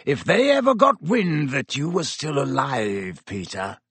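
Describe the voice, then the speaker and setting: A man's voice: mid-range voice, sing-song, a little slow, a bit bright, husky, no echo, full character voice. A man voicing a bitter, vengeful fugitive in an audiobook, growling and hissing with mocking, accusing force. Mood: menacing accusation. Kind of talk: audiobook character acting.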